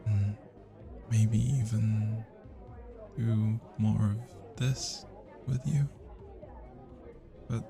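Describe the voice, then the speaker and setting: A man acts out a smitten, bashful young British student in an intimate audio roleplay. His voice is lowish and unhurried, hesitant and soft, often slipping toward a whisper. Party chatter murmurs behind him. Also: vocal fry. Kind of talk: intimate roleplay ASMR acting. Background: party music and crowd chatter.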